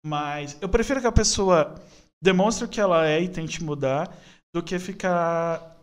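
Earnest young São man, slightly high. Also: a little slow, clean tone. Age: 20s. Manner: earnest, opinionated, rambling with restarts. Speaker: podcast guest. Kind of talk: casual podcast conversation.

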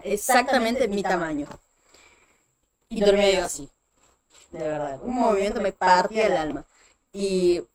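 A young woman with a Mexican accent tells personal stories in an easy, animated way, leaning on fillers between thoughts. Her voice sits on the lower side for a woman. The sound of a crowd murmurs clearly in the background. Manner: chatty, animated, many fillers like "este". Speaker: guest. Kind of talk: casual storytelling chat.

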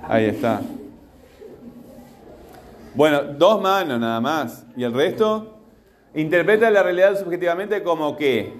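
A man's voice: on the high side, expressive, a little slow, pauses often. A man teaching a class, patiently questioning his students as he goes. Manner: patient, asks the class repeatedly.

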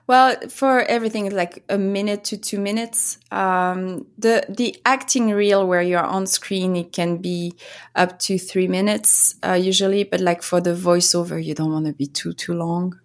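A woman's voice: lowish voice, steady tone. A woman with a heavy French accent, a voice actor answering interview questions in a rambling way full of fillers. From France. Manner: rambling, halting with many fillers. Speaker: voice actor guest.

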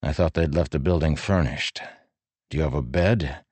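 A man voicing a stern, burdened middle-aged warlord who speaks in a firm, measured, grave way. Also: a bass voice, darkish tone, no room sound. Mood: earnest. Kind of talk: audiobook character voice.

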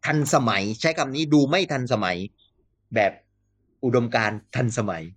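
Brief: male commentator, mid-pitched, dry close sound, lively casual political talk. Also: moderate pace, dry recording. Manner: animated, mimics quotes, laughs often.

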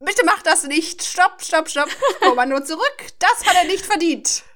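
A woman's voice: on the high side, moderate pace, close to an everyday voice. Bella, a woman reading as a fierce young heroine. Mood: pleading. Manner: urgent, pleading, then cold and stern.

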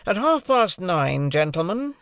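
A man's voice: high-pitched, big pitch swings, unhurried, fairly bright tone, clean tone, dry recording, clean studio sound, voice pushed up, exaggerated voice. A man doing a cool commanding lawyer. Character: cool imperious older male lawyer.

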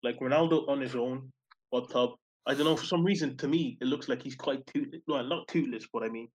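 A man in casual football discussion, explaining haltingly and repeating himself. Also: medium pitch, darkish tone, muffled recording.

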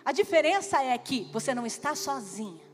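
A Brazilian woman pastor preaching a sermon in an animated way, her voice at times rising to shouts. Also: high voice, fairly quick. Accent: Brazilian Portuguese. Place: church or conference hall. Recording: reverberant hall with faint music.

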